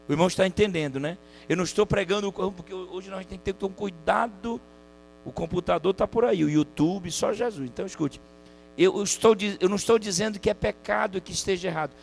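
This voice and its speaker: A man preaching to a congregation, swinging between soft asides and shouted, drawn-out climaxes and asking the people to repeat after him. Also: high voice, poor audio. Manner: drawn-out emphatic phrasing. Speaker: pastor. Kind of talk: Pentecostal-style preaching to a congregation. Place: church hall with congregation.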